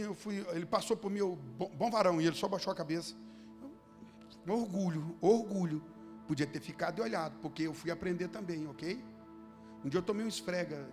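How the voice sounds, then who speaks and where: A man, a pastor preaching a sermon and telling a story with passion, acting out the people he quotes. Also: high voice. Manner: impassioned, acts out quoted voices. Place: church hall. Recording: long hall reverb with faint music.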